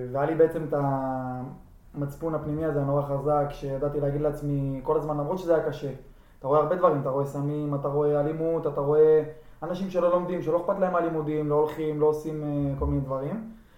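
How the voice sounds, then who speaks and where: Audible room echo surrounds a man who talks at a very fast pace in a monotone, flat intonation with a fairly high pitch. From Israel, Beersheba. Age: 20s. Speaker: kids' fitness coach. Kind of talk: casual interview.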